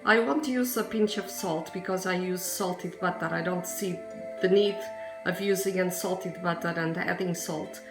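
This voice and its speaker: A woman's voice: lowish voice, steady tone, moderate pace. A woman from Portugal with a Portuguese accent, chatting casually through a home cooking demonstration, rambling into asides with frequent hesitations. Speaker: home cook. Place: home kitchen. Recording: echoey kitchen with music behind.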